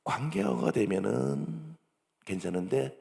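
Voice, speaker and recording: A male pastor preaching, acting out parents and children in lively bursts. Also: a little slow, gravelly. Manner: acts out parent and child dialogue with sudden high-pitched bursts. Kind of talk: sermon. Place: church sanctuary. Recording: long church hall reverb.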